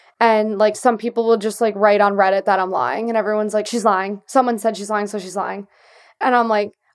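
A woman with an American accent, medium pitch and flat, monotone intonation at a fairly quick pace, over a quiet background. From rural upstate New York. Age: 20s. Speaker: freelance copywriter. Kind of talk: casual interview chat.

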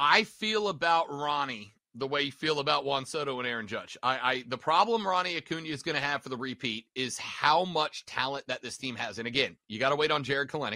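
A man with an American accent talks at a fairly quick pace with hardly any pauses, his fairly high voice bright and sharp in tone. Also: ordinary pitch variation. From US Southeast. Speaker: sports betting podcast host. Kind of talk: casual sports chat. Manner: animated.

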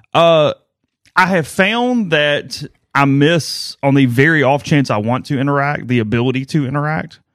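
An ordinary speaking voice at a moderate pace with ordinary pitch variation, captured in a very clean recording against a silent background. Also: man, fairly high pitch for a man. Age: 30s. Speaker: sports podcast co-host. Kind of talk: casual chat. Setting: studio.

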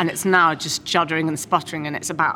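Her pitch sits fairly low as this woman talks in an English accent. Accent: posh English (RP). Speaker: newspaper columnist. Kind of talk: casual chat. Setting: restaurant. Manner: animated.

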